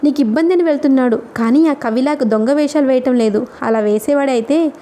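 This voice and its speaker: A woman voicing a thoughtful young woman student who speaks in a steady, reflective way. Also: high voice, a little fast, natural voice. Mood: calm, reflective.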